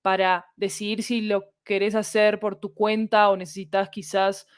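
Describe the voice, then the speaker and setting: A woman with a Latin American Spanish accent explaining her work in an interview, animated and often checking that the listener follows. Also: medium pitch, moderate pace, clean tone, dry recording, clean studio sound. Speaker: podcast fiction producer, interviewed guest.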